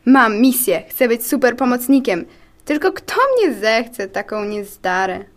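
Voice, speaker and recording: A woman's voice: fairly high pitch, animated, unhurried. A woman voicing a clumsy, insecure white blood cell who longs to help, meek and earnest, in an audio story. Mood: sad, insecure.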